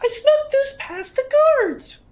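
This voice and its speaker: A woman's voice: very high-pitched, expressive, slow pace, darkish tone, heavily acted. A woman voicing a small, eager male halfling who talks in an urgent, earnest way.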